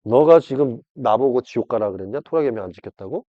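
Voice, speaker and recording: A man's voice: mid-range voice, expressive, a little fast, dry recording, voice pushed down, close to an everyday voice. A man playing a stern, rebuking Jesus. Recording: dull lo-fi dry recording.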